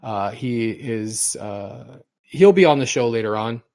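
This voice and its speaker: A man's voice: mid-range voice, takes it slowly, darkish tone. A middle-aged man co-hosting a casual podcast, telling long rambling stories and often repeating himself. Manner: rambling storyteller, repeats and restarts words. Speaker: podcast co-host.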